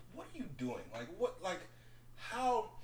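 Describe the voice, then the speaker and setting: A man speaks very slowly while noticeable noise runs in the background. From Nigeria. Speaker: student, podcast co-host. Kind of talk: casual chat.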